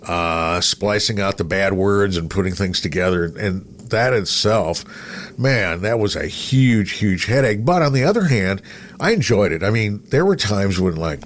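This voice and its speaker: Slight background noise accompanies a middle-aged American radio host whose low voice has lively intonation and a slightly slow pace. He's a broadcaster chatting casually, wandering through anecdotes and playing out others' words.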